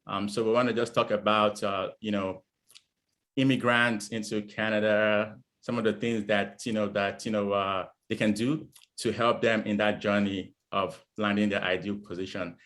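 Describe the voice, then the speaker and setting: A man hosts an interview in a casual way. He rambles through his questions and piles on "you know" and "um" fillers. His voice sits fairly low in pitch. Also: fairly even intonation, normal speed, a bit bright. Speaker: interview host.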